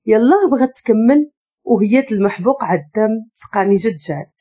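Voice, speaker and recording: Husky Moroccan woman narrating a story. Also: fairly high pitch, fairly quick. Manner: expressive, dramatic storytelling.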